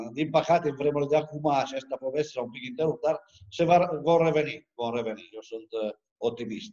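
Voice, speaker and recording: A dark, mellow tone moves at a fairly quick pace, with ordinary pitch variation and big swings in loudness. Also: man, fairly high pitch for a man. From Italy, Piedmont. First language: Italian (speaking Romanian). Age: 50s. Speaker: winemaker. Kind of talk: interview. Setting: video call. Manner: halting.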